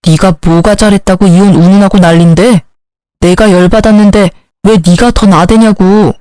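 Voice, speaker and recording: A woman's voice: medium pitch, steady tone, moderate pace, warm tone, no echo, natural voice. A woman voicing a selfish young husband in a read-aloud story, arguing in an indignant, dismissive way. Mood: resentful. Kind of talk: storybook dialogue reading.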